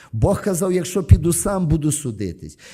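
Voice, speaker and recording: A man with a fairly high, somewhat breathy voice and a dark, mellow tone speaks with very wide pitch swings. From western Ukraine (Lviv region). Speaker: pastor. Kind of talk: sermon.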